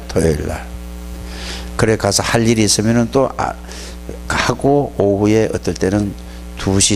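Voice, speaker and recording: Animated male pastor preaching to youth. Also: mid-range voice, slight background noise. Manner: animated, scolding, plain-spoken storytelling. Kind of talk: sermon to youth.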